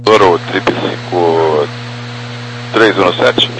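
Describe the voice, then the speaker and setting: Male pilot, very deep voice, formal readbacks over a hissy walkie-talkie radio. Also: very slow. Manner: terse, formal. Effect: voice over a crackly two-way aviation radio. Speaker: airline pilot. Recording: noisy radio transmission with static.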